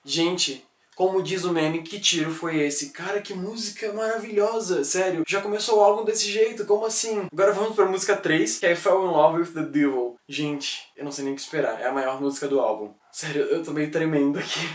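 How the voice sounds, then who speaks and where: A man's voice: fairly high pitch, fairly quick. A man hosting a reaction video, gushing and exclaiming over songs as he listens. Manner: gushing, exclamatory, easily thrilled. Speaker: YouTube reaction host. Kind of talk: excited album reaction. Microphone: computer setup at home. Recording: echoey room with faint music. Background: music playing faintly.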